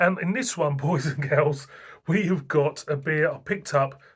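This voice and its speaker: The speaker has a northern English accent. Delivery is fairly slow, with ordinary pitch variation. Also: man. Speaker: beer reviewer. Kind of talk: casual review vlog.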